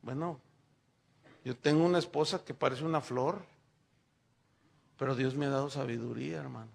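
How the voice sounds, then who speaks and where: A middle-aged man, preaching a sermon and telling lively stories while speaking directly to the congregation. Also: mid-range voice, moderate pace, vocal fry. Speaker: pastor.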